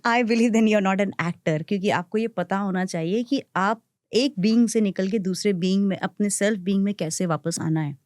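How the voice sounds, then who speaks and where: Chatty actress mixing Hindi and English. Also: female voice, medium pitch, normal speed, no echo, clean studio sound. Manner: mixes Hindi and English freely, storytelling; animated, acts out others' quotes. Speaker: actress, interview guest. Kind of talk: podcast interview chat.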